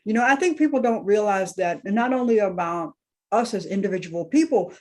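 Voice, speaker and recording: A woman's voice: mid-range voice, animated, brisk. Woman hosting a podcast interview. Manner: warm, affirming, conversational questions. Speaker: podcast host.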